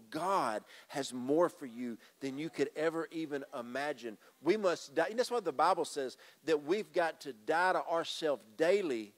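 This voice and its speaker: Pastor guy preaching on stage, handheld mic, a bit high-pitched, keeps repeating himself for emphasis. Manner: emphatic, repeats phrases, addresses congregation directly; moves about the stage and gestures. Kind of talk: sermon. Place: church stage with drum kit.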